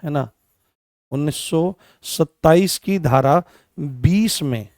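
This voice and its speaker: A man's voice: on the high side, slow, darkish tone, no echo, studio quality. A man teaching an exam coaching class online. He repeats key phrases over and over as he writes, and asks questions that he answers himself. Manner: repeats key phrases many times while writing on a board.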